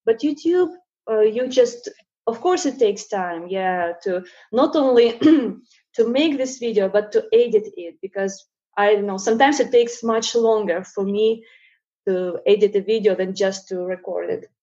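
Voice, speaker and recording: In a casual interview, the guest is a painter in her thirties, born in Russia with Russian as her first language, and she talks hesitantly with lots of fillers. Her medium-pitched voice is mellow and measured in pace. The recording sounds muffled.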